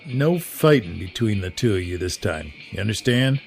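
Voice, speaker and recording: Gravelly, low male bartender. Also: animated, moderate pace, a little mellow, soft background music. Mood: firm. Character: gruff, no-nonsense male bartender. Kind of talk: audio drama acting.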